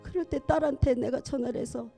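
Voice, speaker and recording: A woman's voice: high-pitched, brisk, vocal fry, mellow, faint music behind. A middle-aged woman giving an emotional church testimony, speaking fervently and repeating her phrases.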